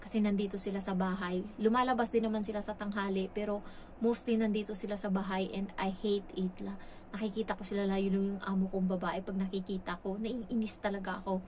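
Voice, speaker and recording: Speaking fairly quickly in a darkish, medium-pitched voice with little pitch movement, a woman from the Philippines vlogs casually about her job as a domestic helper overseas. She's frank and talkative, acting out quoted lines, and a bit of hiss or hum is audible.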